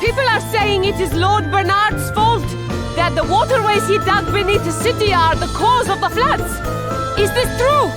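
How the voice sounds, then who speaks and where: Worked up villager woman in a video game, accusing, very very high pitched, loud music. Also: moderate pace. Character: agitated, accusing female townsperson in a crowd.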